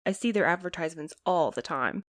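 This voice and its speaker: A woman's voice: on the low side, expressive, fairly quick, dry recording, studio quality, natural voice. A woman playing a wry, put-upon mail courier in an audio drama, conversational and a little sardonic. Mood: affectionate, chatty.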